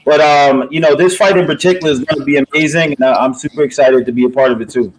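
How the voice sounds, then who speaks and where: A man's voice: a little high, steady tone, quick pace, low-quality recording. A man talking casually as a boxing promoter, upbeat and urging, with a motivational streak.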